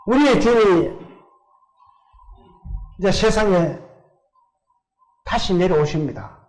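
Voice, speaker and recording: Older guy preaching in church, high voice that swings up and down a lot, asks the pews stuff then answers himself. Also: animated, takes it slowly, low-quality recording. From South Korea. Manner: asks the congregation questions and answers them himself. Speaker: pastor. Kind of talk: sermon.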